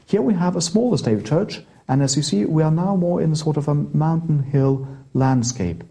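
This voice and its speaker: Norwegian-accented priest, mellow voice. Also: male voice, on the high side, vocal fry. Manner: chatty, halting restarts, light laughter. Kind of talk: interview guest explaining history.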